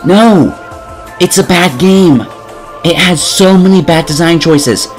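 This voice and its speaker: A man's voice: a little high, slow pace, soft background music. A twenty-year-old man narrating a scripted video game review in a sarcastic, opinionated way. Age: 20 years old.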